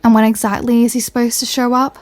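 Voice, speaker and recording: A woman's voice: on the high side, flat delivery, quick pace, lightly acted. A woman playing an irritated, stubborn, proud female superhero in a comedic audio drama, answering with dry, sarcastic exasperation. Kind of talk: comedic audio roleplay acting.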